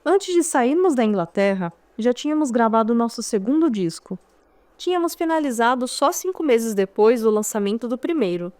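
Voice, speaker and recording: A Brazilian-accented woman narrates her first-person memoir audiobook in a slightly high, a little mellow voice with a sing-song lilt and moderate pace. She keeps it conversational, dropping wry asides to the listener. The studio recording is close-miked, dry, and dead.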